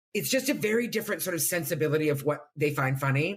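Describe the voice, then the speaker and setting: Animated and somewhat breathy, a woman with a Canadian accent talks at a fairly quick pace in a fairly low voice with lively intonation. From Canada, Toronto. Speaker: stand-up comedian. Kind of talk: podcast interview. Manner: animated, many restarts and fillers.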